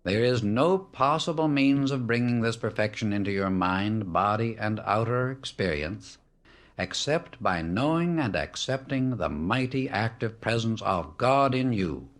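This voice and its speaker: A man reading a spiritual audiobook as scripted narration, in a solemn, measured, declarative way. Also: lowish voice, lively intonation.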